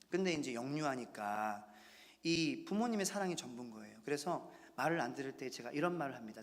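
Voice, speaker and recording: A man in his thirties, a pastor, preaching a Sunday sermon and acting out little quotes. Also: mid-range voice. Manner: animated preaching with acted-out quotes. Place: church sanctuary. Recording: long church hall reverb.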